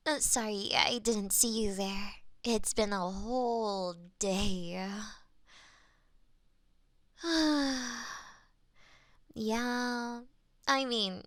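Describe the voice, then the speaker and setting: A woman performing a gentle audio roleplay as a florist friend, soft-spoken and a little flustered, recorded on a binaural microphone. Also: medium pitch, no echo, studio quality.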